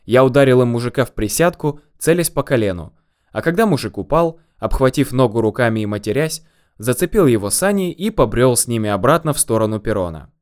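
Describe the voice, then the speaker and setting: A man narrating a first-person story in a calm, deadpan way. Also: medium pitch, brisk, smooth.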